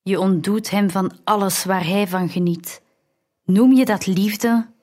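A woman's voice: mid-range voice, steady tone, takes it slowly, darkish tone. A woman reading the indignant lines of a proud, stubborn young woman in an audiobook.

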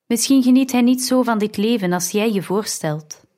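A woman reading the lines of a calm, devout young man in an audiobook, gentle and firm in manner. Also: on the high side, normal speed, lightly acted. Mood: earnest.

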